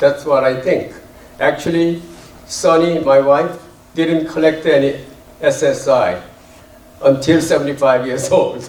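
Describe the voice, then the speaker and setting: With a Korean accent, a man talks at a fairly slow pace. There is audible room echo and noticeable background noise. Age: 80s+. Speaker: business owner. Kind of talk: forum speech. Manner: halting.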